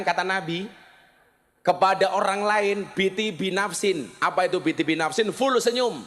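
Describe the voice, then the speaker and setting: A middle-aged man with a Javanese accent, preaching in a lively, joking village sermon style. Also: sits high. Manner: joking, mixes in Javanese phrases.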